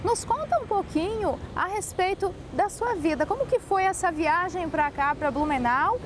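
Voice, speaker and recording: Woman, TV host, high voice, friendly, noisy background. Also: lively intonation, normal speed. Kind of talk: TV interview hosting.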